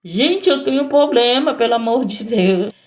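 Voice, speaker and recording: A woman's voice: on the high side, expressive, measured pace. A woman missionary preaching a sermon, emphatic and repetitive, often breaking in with praise.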